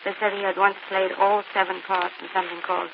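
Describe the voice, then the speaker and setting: A woman who is a guest panelist, guessing haltingly with many pauses, on an old radio broadcast with hiss. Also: medium pitch, flat delivery, vocal fry, lo-fi sound. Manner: hesitant, halting. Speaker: guest panelist, magazine editor. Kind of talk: unscripted guessing on a radio quiz.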